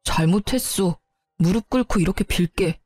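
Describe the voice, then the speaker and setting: A woman's voice: medium pitch, moderate pace, darkish tone, no room sound, clean studio sound, soft background music, close to an everyday voice. A woman voicing a remorseful young husband who pleads and apologizes to his wife in a storybook tale. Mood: pleading. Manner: begging, apologetic.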